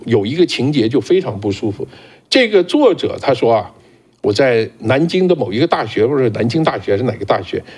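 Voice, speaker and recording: A man co-hosting a casual political talk show, speaking in an animated way and often repeating words as he starts a sentence. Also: mid-range voice, slightly rough.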